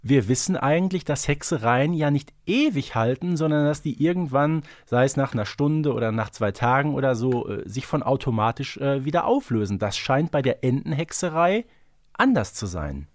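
A man's voice: medium pitch, animated, normal speed, dry recording, studio quality. A man co-hosting a podcast, explaining things in casual analytical chat with emphatic turns and tag questions. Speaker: podcast co-host.

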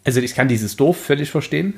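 A man's voice: medium pitch, lively intonation, fast talker, vocal fry, a little mellow. A man co-hosting a casual book podcast, arguing his points in blunt, slangy language. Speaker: podcast co-host.

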